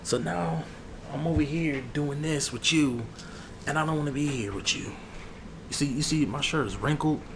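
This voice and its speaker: A man's voice: fairly high pitch, natural voice. A man playing an irritated, money-minded hood barber in an ASMR role-play, chatting casually and grumbling as he repeats himself. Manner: grumbling, repeats phrases, drawn-out asides. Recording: clearly noisy background ambience.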